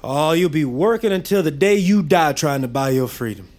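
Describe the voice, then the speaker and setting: An actor playing a young enslaved apprentice who is blunt and distrustful. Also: male voice, on the high side, animated, normal speed, darkish tone, lightly acted. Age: young adult. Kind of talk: audio drama.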